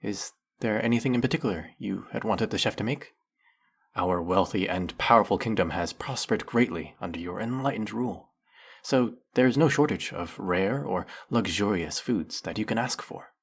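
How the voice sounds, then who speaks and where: Fantasy audio drama: man as zealous demon servant, deep husky voice, grandly reverent, flirtatious and fawning. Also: moderate pace. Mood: apologetic, servile. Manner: grandiose, theatrical, reverent, obsequious.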